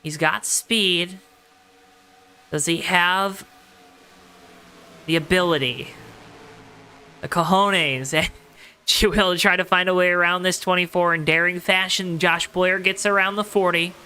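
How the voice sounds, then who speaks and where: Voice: mid-range voice, fairly even intonation, measured pace, long pauses, bright, forceful tone, smooth. A motorsport commentator calling a race live, with dramatic, emphatic repetition and colorful phrasing. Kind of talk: live play-by-play racing commentary.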